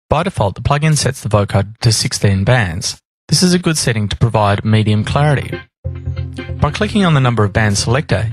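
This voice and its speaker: A man reading scripted instructional narration in a measured, explanatory manner. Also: fairly low pitch, slightly rough. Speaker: tutorial narrator.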